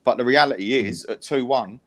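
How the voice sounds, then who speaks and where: Man, English accent, medium pitch, fan panellist, casual match analysis, emphatic, repetitive phrasing. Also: a little fast.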